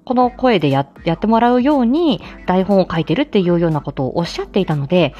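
A woman voice actress chats casually on a livestream about her drama, talking fast and animatedly in a lowish voice, full of fillers and frequent laughter. The audio is slightly dull, with faint music in the background.

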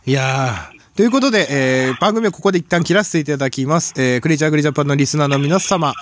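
A man with an Ibaraki accent hosting a casual podcast, joking excitably and repeating himself. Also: a little high, very fast. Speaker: podcast host. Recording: noisy recording.

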